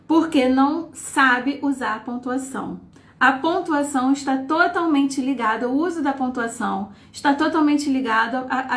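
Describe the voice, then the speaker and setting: Uma professora dando aula online, explicando com paciência e lendo trechos em voz alta com entonação marcada, sempre checando com "tá?" e "né?". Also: female voice, high voice, roomy sound. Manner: explains patiently, reads texts aloud with marked intonation; often checks in with "tá?" and "né?". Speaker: teacher. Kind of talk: live online class.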